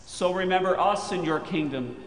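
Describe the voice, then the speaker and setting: A man leading a communion liturgy as pastor, solemnly intoning in a measured, chant-like way in a chapel with cathedral echo. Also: high-pitched. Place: large chapel, indoors. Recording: cathedral-like echo, long chapel reverb, faint noise.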